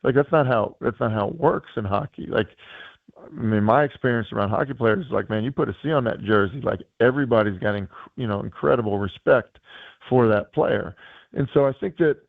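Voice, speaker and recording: A man who has lost much of his voice, talking football in a rambling way with many fillers and restarts, as a radio guest and high school coach. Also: brisk, gravelly, no echo. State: hoarse, losing his voice. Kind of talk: casual sports radio chat. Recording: tinny phone line.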